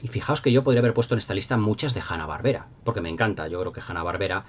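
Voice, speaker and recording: A man's voice: low voice, expressive, racing, highs cut off, a little hiss or hum. A middle-aged man with a Castilian Spanish accent hosting a casual, unscripted nostalgic review, enthusiastic and rambling, repeating words for emphasis. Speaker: video channel host.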